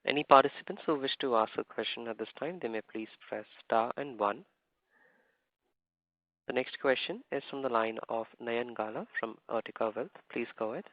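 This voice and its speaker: A man's voice: medium pitch, normal speed, dry recording. A man making scripted announcements as the moderator of a conference call. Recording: dull dry conference line.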